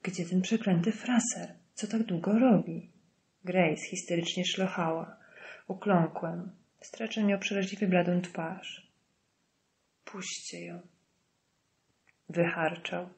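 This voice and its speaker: A woman reading an audiobook as narrator in a steady, measured way. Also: lowish voice. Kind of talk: scripted narration.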